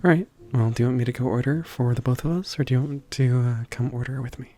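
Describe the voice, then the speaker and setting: A man playing a kind, slightly awkward stranger in an ASMR roleplay, speaking gently and hesitantly with soft, casual phrasing. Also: mid-range voice, natural voice. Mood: warm, attentive. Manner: gentle, hesitant, softly chuckling, halting with thinking pauses.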